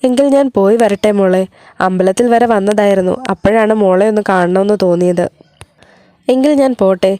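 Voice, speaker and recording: A woman's voice: mid-range voice, brisk, warm tone, no room sound, natural voice. A woman voicing a worried middle-aged mother who pleads anxiously. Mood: suspicious.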